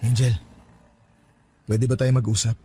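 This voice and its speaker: Earnest, husky lovestruck suitor. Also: male voice, medium pitch, level tone, measured pace, mellow. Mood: pleading. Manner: pleading, insistent. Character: earnest, lovestruck young man begging for another chance. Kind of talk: radio romance drama acting.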